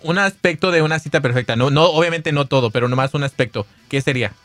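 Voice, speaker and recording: A man's voice: fast, fairly bright tone, dry recording. A man with a Mexican accent, co-hosting a casual chat show, teasing and joking. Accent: Mexican Spanish. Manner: teasing, jokey, rises to high squeals. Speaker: radio co-host.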